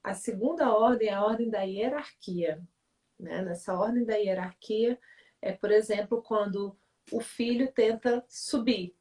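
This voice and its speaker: An author and family-relations speaker on a livestream explains family relationships in a reflective, teacherly way, often checking in with "né?". Her voice is medium-pitched, unhurried, and warm. She sounds somewhat distant from the mic.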